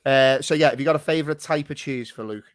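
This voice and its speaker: English man, middle-aged, podcast host, medium pitch, dry sound, jokey, matey, slangy chat. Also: fast, no echo. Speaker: podcast host reading listener questions. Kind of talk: casual chat.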